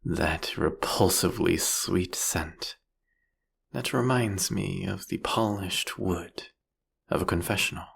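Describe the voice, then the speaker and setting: Man voicing a deep, gravelly, mocking vampire king. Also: a bit bright, exaggerated voice. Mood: knowing, menacing. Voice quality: husky, gravelly. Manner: theatrical, mocking, drawn-out, teasing phrasing. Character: captured vampire king, male, sardonic, taunting, silkily menacing. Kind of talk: scripted audio roleplay monologue addressed to the listener.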